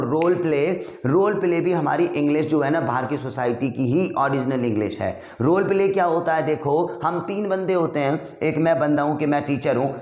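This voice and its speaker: Brisk encouraging male English teacher. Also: on the high side, roomy sound. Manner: brisk, encouraging, addresses students as brother. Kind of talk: spoken English class.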